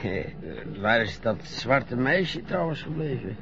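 An actor playing a frail, grumbling old former sailor who talks hesitantly and teases. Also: male voice, mid-range voice, animated, slow pace. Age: older. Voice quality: gravelly, hesitant, teasing. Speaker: elderly former sailor being bathed. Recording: dull lo-fi radio play recording.

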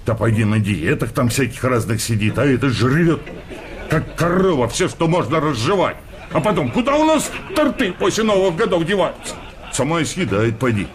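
An animated, grumbling working-class husband. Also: male voice, on the high side, moderate pace. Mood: grumbling, aggrieved. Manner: colloquial, coarse, querulous. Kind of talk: comic radio play acting.

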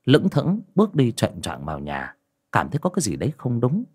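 A man narrating a village ghost story in a lively storytelling manner. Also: mid-range voice, a little fast, slightly rough.

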